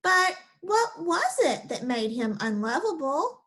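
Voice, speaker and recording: A woman's voice: high voice, very animated, takes it slowly, fairly bright tone. A woman teacher explaining a lesson step by step to children, then reading a picture book aloud.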